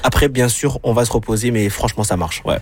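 Male radio co-host, mid-pitched, playful and animated anecdote delivery. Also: fast talker, husky. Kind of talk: radio chat.

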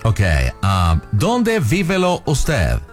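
A man playing an American police officer who speaks halting, broken Spanish with English fillers. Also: fairly high pitch, huge pitch swings, faint music behind, pitched above the performer's own voice, exaggerated voice. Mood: officious.

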